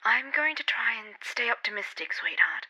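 A woman's voice: on the high side, expressive, moderate pace, slightly rough, voice pushed up, heavily acted. A woman voicing a soothing anxious mum. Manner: gentle and reassuring. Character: soothing, anxious middle-aged mother. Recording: dull lo-fi recording.

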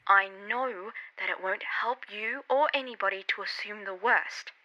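A woman's voice: medium pitch, unhurried. A woman voicing a soothing anxious mum. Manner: gentle and reassuring. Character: soothing, anxious middle-aged mother. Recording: dull lo-fi recording.

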